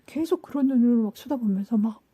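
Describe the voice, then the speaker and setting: A woman hosting a spiritual talk, telling an anecdote in a casual, animated way, acting out quoted lines and asking the listeners rhetorical questions. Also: on the high side, quick pace, breathy edge. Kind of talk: casual storytelling lecture.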